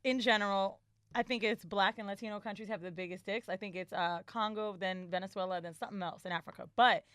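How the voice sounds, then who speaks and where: A woman's voice: medium pitch, fairly even intonation, fast talker, a bit bright, smooth, no echo. A woman podcast co-host chatting casually and explicitly in a studio, blunt, slangy and profane.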